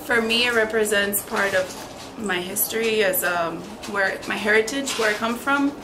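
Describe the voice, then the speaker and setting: A woman's voice: mid-range voice, normal speed, background noise. A woman from the United States speaking earnestly about her heritage in an interview.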